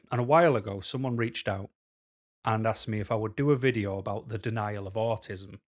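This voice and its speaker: A man, a little hoarse, talking frankly to camera in a rambling way with many pauses and ums. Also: lowish voice. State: slightly hoarse. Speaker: vlogger. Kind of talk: casual talk to camera. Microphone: camera mic.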